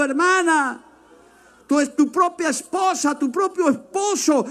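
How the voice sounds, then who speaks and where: A man delivers an impassioned sermon in a strikingly high voice. He swings between loud, shouted warnings and low, quiet asides. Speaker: preacher.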